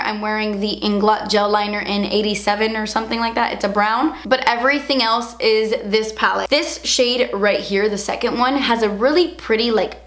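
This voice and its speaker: A woman in her twenties reviewing her favorite makeup products in a chatty, gushing way, her voice a little hoarse from shouting. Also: a little high, echoey room. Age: 20s. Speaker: beauty vlogger.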